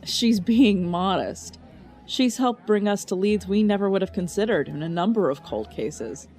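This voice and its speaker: Teasing, animated female detective played by an actress. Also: medium pitch, normal speed, faint music behind, close to an everyday voice. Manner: easygoing, teasing. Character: plain-spoken, teasing female police detective. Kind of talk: audio drama acting.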